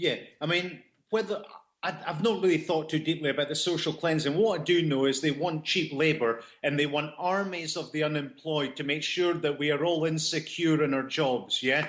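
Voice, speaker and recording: This man has a strong Scottish accent and a fairly high pitch, talking at a moderate pace with ordinary pitch variation. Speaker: trade union campaigner. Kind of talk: interview on political talk radio.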